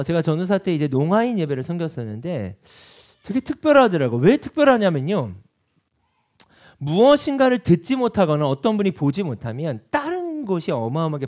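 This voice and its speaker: Animated high-pitched Korean pastor preaching. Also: male voice. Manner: animated preaching with rhetorical questions to the congregation. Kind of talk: sermon. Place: church.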